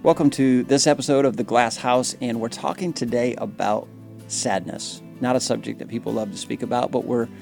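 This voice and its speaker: This man co-hosts a ministry podcast, introducing guests and asking questions in an earnest, conversational interview style. His medium-pitched voice is steady, creaky and somewhat dark, at a normal pace, with faint music in the background.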